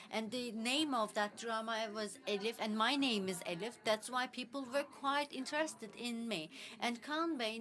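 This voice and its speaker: A woman giving live spoken interpretation into English for a panel, speaking in halting phrases with frequent restarts and fillers. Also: fairly high pitch, fairly bright tone.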